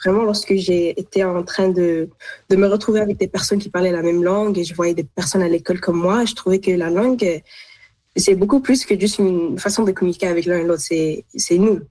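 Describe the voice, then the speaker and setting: Earnest teenage girl, lowish voice. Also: fairly even intonation, brisk, mellow, rough recording. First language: Arabic. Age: teens. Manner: earnest, repeats words while searching for them. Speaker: student guest. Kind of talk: interview answers.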